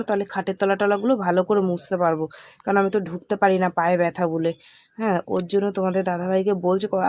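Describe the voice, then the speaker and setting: A woman's voice: mid-range voice, a little mellow, dry recording. A middle-aged Bengali-accented woman chatting to viewers about her household chores in a casual home vlog. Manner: chatty, addresses viewers directly. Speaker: home vlogger. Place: small home, indoors.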